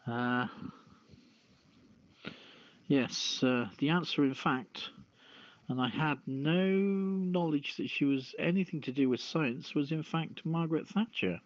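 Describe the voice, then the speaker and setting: A man's voice: fairly high pitch, slow pace, pauses often, no room sound. A man hosting a casual radio quiz as the quizmaster. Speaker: show host and quizmaster. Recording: dry, dull lo-fi stream audio.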